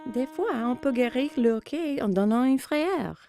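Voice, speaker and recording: Patient cartoon mom, high-pitched, very melodic, soothing, light music behind. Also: female voice, expressive, measured pace, mellow. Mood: reassuring. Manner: soothing, encouraging. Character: patient, gentle, reassuring young mother. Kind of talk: French children's cartoon dub.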